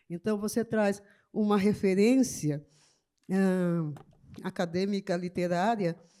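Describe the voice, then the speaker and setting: At a very slow pace with long, frequent pauses, a woman speaks at a medium pitch with a dark, mellow tone. Her intonation is fairly even, and the recording is very clean with a silent background. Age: 70s. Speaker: poet. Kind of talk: panel discussion. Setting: stage with audience. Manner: loud.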